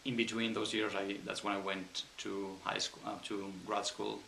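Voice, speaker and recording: A man from Spain with a Spanish accent, an engineer answering interview questions thoughtfully with frequent pauses and ums. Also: lowish voice, level tone, vocal fry, sharp tone, reverberant, a little hiss or hum, low-quality recording. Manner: thoughtful, hesitant with many ums.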